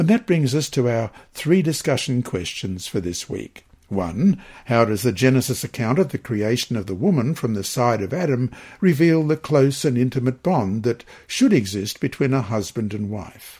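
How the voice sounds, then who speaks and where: Somewhat breathy and dark, mellow in tone, the voice comes with an Australian accent at a moderate pace. The recording is very clean with a silent background, and the intonation is lively. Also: man, medium pitch for a man. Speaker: narrator reading a Bible study guide. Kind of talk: reading aloud. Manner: formal.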